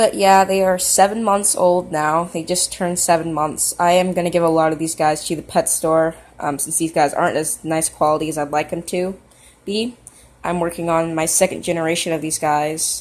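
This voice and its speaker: Quiet and fairly low in pitch, a woman talks at a moderate pace with fairly even intonation. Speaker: betta fish breeder. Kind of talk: casual vlog. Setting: home kitchen. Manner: quiet, trying to be quiet; rambling, halting.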